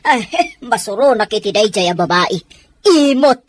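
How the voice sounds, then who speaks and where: A woman's voice: mid-range voice, expressive, moderate pace, a little hiss or hum, natural voice. A woman playing a gossipy, scheming older mother-in-law in a serial drama, exclamatory and theatrical. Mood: gleeful, scheming. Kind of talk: Ilocano serial drama acting.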